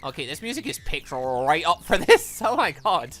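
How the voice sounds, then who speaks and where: Gaming YouTuber, lively swooping pitch, bright tone, excitable commentary and read-aloud, faint game music. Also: moderate pace. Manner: animated, excitable, exclaiming. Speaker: gaming YouTuber reading a visual novel aloud. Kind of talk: let's play commentary mixed with reading dialogue aloud. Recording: music behind the voice. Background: video game music.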